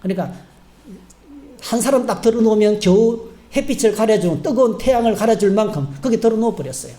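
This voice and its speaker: A man's voice: high voice, lively intonation, quick pace, dark tone. A middle-aged male pastor giving a sermon in a church, telling the story in a chatty way and acting out the quotes. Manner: conversational storytelling preaching with fillers and acted-out quotes. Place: church sanctuary. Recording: echoey church hall.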